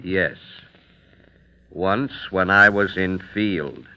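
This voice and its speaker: An actor playing a solemn Native American witness who gives testimony in terse, broken English for a radio drama. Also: male voice, low-pitched, bright, forceful tone, clean tone, exaggerated voice. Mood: solemn, explaining. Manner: deliberate, terse broken English without articles. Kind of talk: old radio drama acting. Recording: dull vintage radio recording.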